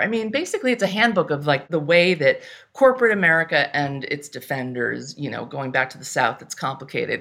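Her tone is bright and sharp, and this woman's pitch swings very widely. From New York, later Wisconsin. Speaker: journalist and author. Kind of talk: political interview conversation.

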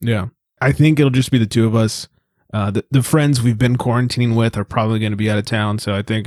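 A man with an American accent speaks fairly quickly at a medium pitch in a plain, everyday voice. The recording is very clean with a silent background, its sound dry and close with no echo. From United States. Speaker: podcast host. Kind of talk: casual chat.

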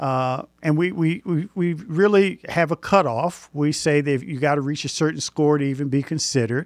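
On a very clean recording with a silent background, a man speaks at a moderate pace in a normal speaking voice, with fairly high pitch and ordinary pitch variation. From Indiana, Indianapolis. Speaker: podcast host. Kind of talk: interview.

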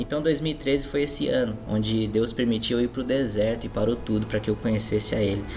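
A man at a medium pitch talks at a fairly quick pace with hardly any pauses, very even loudness and fairly even intonation, with audible room echo and noticeable background noise. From Brazil. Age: 30s. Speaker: pastor's grandson, church minister. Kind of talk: testimony.

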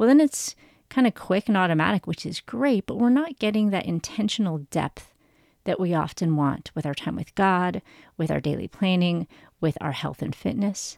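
A woman with an ordinary speaking voice talks at medium pitch and a moderate pace with lively intonation, on a very clean recording with a silent background and a dry, close sound with no echo. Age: 40s. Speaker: podcast host and author. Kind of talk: motivational podcast monologue. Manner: upbeat.

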